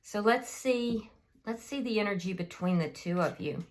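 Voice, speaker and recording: A woman with a slightly hoarse voice from a cold, giving a casual tarot reading and thinking aloud with frequent ums. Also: mid-range voice, expressive, normal speed, slight background noise. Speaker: tarot reader.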